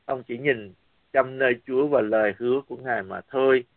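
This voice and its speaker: A man preaching a sermon as lively storytelling, acting out the dialogue of the story. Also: mid-range voice, fairly quick, no echo. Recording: dry, tinny phone-like sound.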